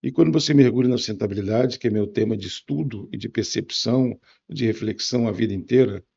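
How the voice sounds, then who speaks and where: A man in his seventies from Bahia, Brazil, with a Bahian accent, answering interview questions in a musing, unhurried way with restarts. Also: medium pitch, gravelly, darkish tone, breathy edge, dull audio. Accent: Bahian Brazilian Portuguese. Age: 70s. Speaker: interview guest.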